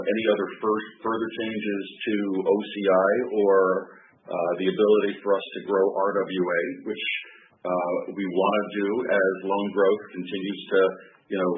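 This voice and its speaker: Deep-voiced man on an echoey phone line. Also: a little hiss or hum. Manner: measured, many fillers. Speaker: bank executive answering analysts. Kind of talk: earnings call answers.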